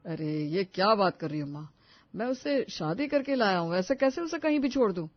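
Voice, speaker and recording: A woman voicing a patient young man who reasons with his mother in an animated story. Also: mid-range voice, normal speed, no echo, highs cut off, close to an everyday voice. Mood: reasoning. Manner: calm, reasoning, placating. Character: grown son, patient young husband.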